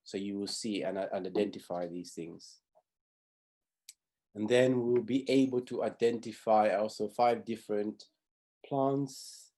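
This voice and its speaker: A man from Zambia, middle-aged, teaches a pathfinder class. His voice sits low and sounds warm and dark. He explains step by step, and he often repeats or restarts a phrase partway through. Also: a little slow. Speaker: pathfinder honour instructor. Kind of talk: teaching a class over video.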